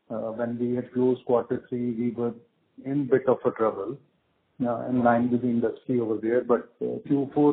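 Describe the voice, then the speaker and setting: A man with an Indian accent giving a spontaneous business update as a company executive on a conference call. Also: medium pitch. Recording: narrowband phone conference line.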